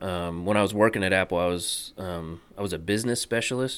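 The recording is very clean, with a silent background. A man speaks at a moderate pace in a very deep, low pitch. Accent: American. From Florida (St. Petersburg). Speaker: barbershop owner. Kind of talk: casual interview.

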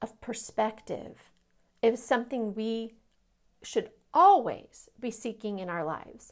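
In a very clean recording with a silent background, a woman with an American accent talks very slowly in a fairly high pitch. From US Midwest, Kansas City, Missouri. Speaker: podcast host, singer and voice teacher. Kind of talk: solo podcast monologue. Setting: recording while traveling abroad.

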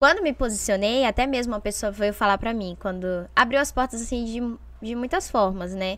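A normal speaking voice from a woman, fairly high in pitch, with ordinary pitch variation at a moderate pace. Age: 20s. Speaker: lawyer specialising in digital law. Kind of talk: casual interview.

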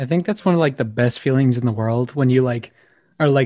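Energetic in tone, a man talks very fast at a medium pitch. The background is quiet. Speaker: podcast host. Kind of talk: casual chat. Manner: energetic, faster talker for intros.

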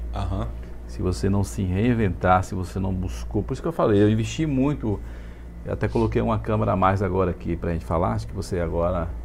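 Very fast delivery with very wide pitch swings. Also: man, very deep, low pitch for a man. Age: 30s. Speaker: podcast host. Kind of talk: casual interview chat. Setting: studio.

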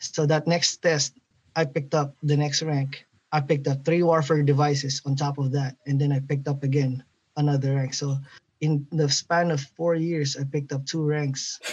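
A man's somewhat breathy, fairly high voice in a monotone, flat intonation. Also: moderate pace. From Philippines. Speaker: navy sailor. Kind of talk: casual interview.

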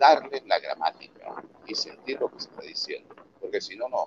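The pace of the speech is fairly slow. It has a dry, close sound with no echo. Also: man. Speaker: radio announcer. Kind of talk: interview. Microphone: unstable connection.

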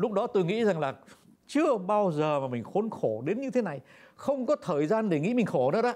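A man's high-pitched voice at a fairly quick pace, with very wide pitch swings. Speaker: professor. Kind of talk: talk show interview.

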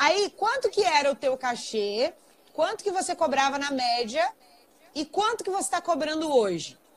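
Against noticeable background noise, a high-pitched woman speaks at a moderate pace with very wide pitch swings. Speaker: voice-over coach and podcast host. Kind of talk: interview.

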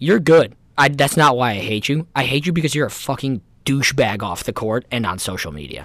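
A man with vocal fry and lively intonation, at a fairly quick pace. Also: medium pitch for a man. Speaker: sports podcast co-host. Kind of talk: casual chat. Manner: animated.

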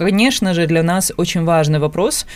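Here is a plain, everyday voice from a woman at a moderate pace. Her pitch is fairly low, with ordinary variation. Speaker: political commentator. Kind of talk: podcast monologue.

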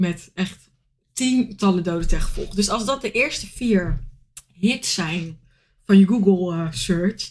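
At a very slow pace, a woman talks in a somewhat breathy, medium-pitched voice with ordinary pitch variation. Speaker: podcast guest. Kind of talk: casual chat.

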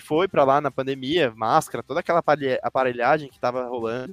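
A man speaks in a plain, everyday voice at a fairly high pitch and a fairly quick pace. His pitch variation is ordinary, and the sound is dry and close, with no echo. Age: 20s. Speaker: creative director of a content agency. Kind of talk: casual interview chat.

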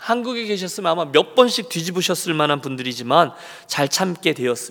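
Lively intonation and a moderate pace from a man with a plain, everyday voice. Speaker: senior pastor of an immigrant church. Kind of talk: sermon. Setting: church service.

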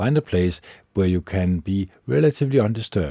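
With a Danish accent, a man speaks at a fairly quick pace in a very deep, low voice with a dark, mellow tone, on a very clean recording with a silent background. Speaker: podcaster. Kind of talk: self-help podcast monologue with reading aloud. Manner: halting, stumbling.

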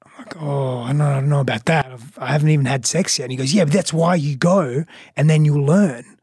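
Speaking with an Australian accent, a man uses a fairly high pitch and ordinary variation. His pace is fairly quick. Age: 40s. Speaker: relationship coach. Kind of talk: casual interview.

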